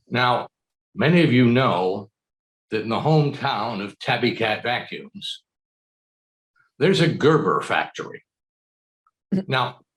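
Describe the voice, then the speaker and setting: Animated American man telling a tall tale. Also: medium pitch. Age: middle-aged. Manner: mock-earnest, dramatic delivery with pauses. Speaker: speech contest speaker. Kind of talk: theatrical comic storytelling speech. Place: book-lined room at home. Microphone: video call. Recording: roomy, echoing video call.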